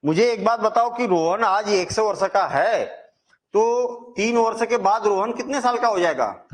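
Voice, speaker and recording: A man's voice: high voice, expressive, unhurried. A man teaching a maths lesson, chatty and reassuring, asking questions and answering them himself.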